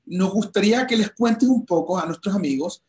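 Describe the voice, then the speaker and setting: A man's voice: high voice, brisk, darkish tone. A man hosting a motivational interview, enthusiastic and full of stammered restarts. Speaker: host.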